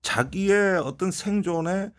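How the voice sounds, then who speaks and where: A man giving political commentary on a talk show, in an animated, drawn-out analytical way. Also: high voice.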